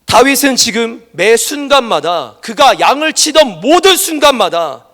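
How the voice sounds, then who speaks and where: High-pitched, animated male pastor preaching. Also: measured pace. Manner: animated preaching, acting out quoted voices. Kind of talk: sermon. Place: church education hall. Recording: reverberant church hall.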